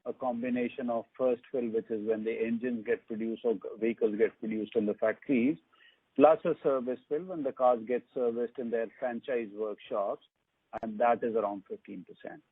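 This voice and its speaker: A man, a company executive answering analysts' questions on a conference call, measured and hesitant with many fillers. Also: mid-range voice, steady tone, slightly rough, dry recording. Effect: conference call phone line. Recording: tinny dry phone line.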